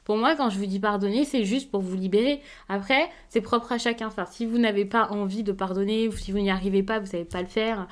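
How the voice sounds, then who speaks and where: Woman, tarot reader, soft reassuring delivery, hesitant fillers, mid-pitched. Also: steady tone, fairly quick, hardly any pauses. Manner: gentle, reassuring, with frequent hesitations. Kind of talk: casual tarot reading to camera.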